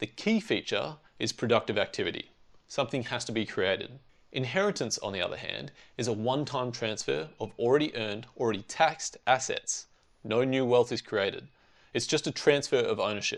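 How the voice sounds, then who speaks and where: A man with an Australian accent speaks at a fairly quick pace over a quiet background. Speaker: political commentator. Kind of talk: video essay commentary.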